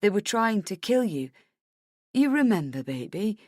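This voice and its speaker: A woman voicing a frightened, tearful husband in an audiobook, gentle and pleading, with a hesitant delivery. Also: mid-range voice, sing-song, unhurried, no echo, clean studio sound, voice pushed up. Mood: anguished. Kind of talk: dramatic audiobook character dialogue.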